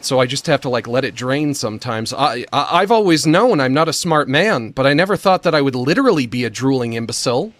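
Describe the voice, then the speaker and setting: Male streamer, squeaky and breathless; slurred, lisping delivery with stammers, slow self-mocking pace. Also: lively intonation, fairly bright tone, dry recording. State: short of breath, gasping before sentences. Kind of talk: prerecorded monologue.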